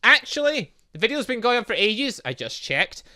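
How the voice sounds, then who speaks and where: A game playthrough host reading aloud and commenting in a rambling, excitable, self-interrupting way. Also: medium pitch, normal speed. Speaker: gaming video host.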